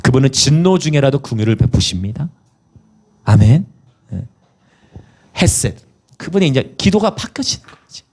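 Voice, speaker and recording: A middle-aged man preaching a sermon as pastor, passionate, dropping to hushed whispers and acting out pleading prayers. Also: big pitch swings, normal speed, pauses often. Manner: impassioned, swings from hushed whispers to high cries.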